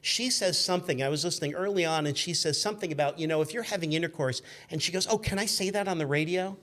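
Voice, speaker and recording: Male radio-show guest, 50s, higher voice, animated and sweary casual storyteller who stumbles over his phrasing. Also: fast. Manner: animated, profane, stumbling as he tells stories.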